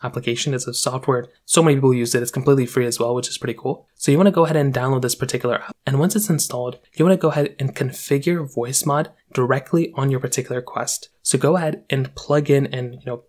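A man's voice: medium pitch, quick pace, few pauses, a little mellow. A man giving a casual, rambling how-to voice-over as a tutorial host. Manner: rambling, repetitive, filler-heavy explaining.

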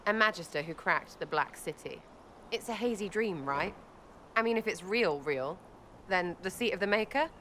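Casting: irreverent young female elf archer in a fantasy game, colloquial British, animated and forceful. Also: mid-range voice, a little slow, slight background noise. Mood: agitated, sarcastic. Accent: English, colloquial British. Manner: blunt, slangy, sarcastic. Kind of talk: fantasy video game acting.

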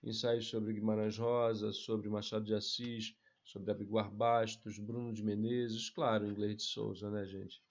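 A man's voice: on the low side, flat delivery, measured pace, hardly any pauses, highs cut off. A man in his forties from Pará, Brazil, casually presenting his books to camera from a home study, with frequent tag questions. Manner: chatty, frequent tag questions, warm asides. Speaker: author and literature researcher. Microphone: small desk mic in front.

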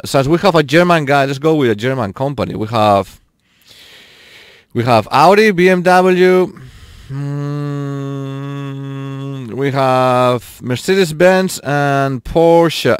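A man's voice: mid-range voice, smooth, no room sound, clean studio sound. A man live streaming a racing game, chatting casually with his viewers and laughing often. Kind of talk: casual live-stream chat while gaming.

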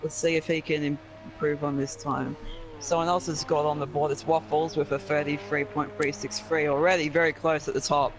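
A man co-commentating an online race breaks down lap times and car setups. His delivery is steady and flat, pitched a little high. Loud music plays under his voice. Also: normal speed, rough recording. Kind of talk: sim racing stream commentary.

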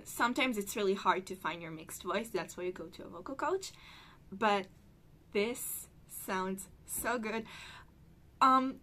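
Slow-talking woman breaking down vocal technique. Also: on the high side, bright, forceful tone. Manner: explains vocal technique like a voice teacher, with many fillers. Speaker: music reaction reviewer. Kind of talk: casual reaction commentary. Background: song playing faintly.

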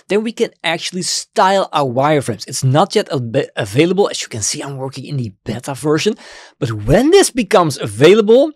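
A man in his thirties whose first language is Dutch, hosting a screen-recorded software tutorial with lively enthusiasm, on a studio microphone in a home studio. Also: slightly rough, dry recording. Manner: enthusiastic, quick swings between excited highs and low asides. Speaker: web design tutorial host. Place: home studio room with colored lights. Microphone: studio mic on stand in front.

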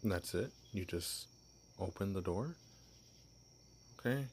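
A man's voice: deep voice, animated, slow, darkish tone, a little hiss or hum, exaggerated voice. A man voicing a shy, clueless young male vampire posing as human in an ASMR roleplay, stammering and apologizing. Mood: awed curious.

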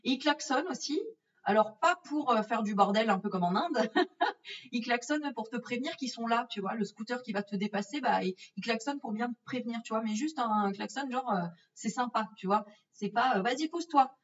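A woman's voice: fairly high pitch, fairly quick, distant mic. A French woman recounts her trip in a loose, chatty storytelling voice, full of fillers and little acted-out asides. She sits back from the microphone, and the sound is dull and lo-fi. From France. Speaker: vlogger. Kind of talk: casual storytelling.

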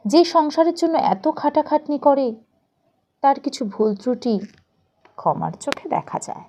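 A woman narrates literary fiction in a fairly high, soft-toned voice. Her pitch moves expressively across each phrase. She takes her time, reading slowly like an audiobook storyteller. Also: sing-song.

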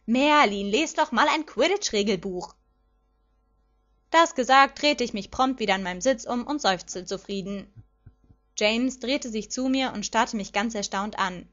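A woman reading a fan fiction story aloud in a lively first-person voice. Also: on the high side, moderate pace, muffled recording. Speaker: audiobook reader.

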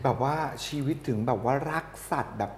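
Quick, playful male talk show host. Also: medium pitch, darkish tone. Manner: playful, probing questions. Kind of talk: teasing casual interview.

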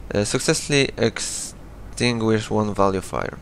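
A man's voice: lowish voice, takes it slowly, slight background noise. A young man with a Polish accent giving sarcastic, profane let's-play commentary as he plays a game. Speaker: gaming YouTuber.

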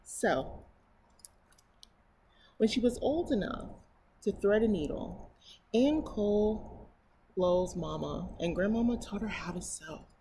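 A woman's voice: medium pitch, takes it slowly, long pauses. A middle-aged American woman reads a picture book aloud at a children's storytime, with enthusiastic, chatty asides. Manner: expressive, enthusiastic, exclaiming. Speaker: library storytime reader. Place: indoors in front of a painted mural. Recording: clear steady background noise.

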